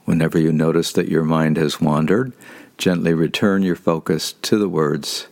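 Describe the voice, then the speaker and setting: A man leading a guided Christian meditation, giving calm, gentle instructions. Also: a bass voice, moderate pace.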